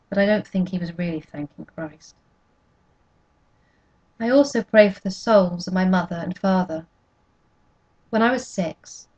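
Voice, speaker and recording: A woman reading a novel aloud in first person, with measured, quietly expressive narration, in a dull lo-fi recording. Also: fairly low pitch. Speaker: audiobook reader.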